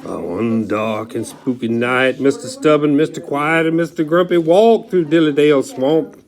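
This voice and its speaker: A man's voice: fairly high pitch, moderate pace. A man reading a children's book dramatically, in a folksy, theatrical way with chatty asides. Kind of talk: animated dramatic read-aloud.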